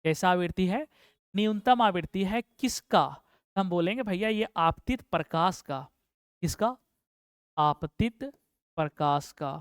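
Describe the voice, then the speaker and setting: A man's voice: high-pitched, clean tone, no room sound, clean studio sound. Male physics teacher quizzing himself. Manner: asks the class a question, then answers it himself; repeats key terms slowly for dictation. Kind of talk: exam-prep physics lesson.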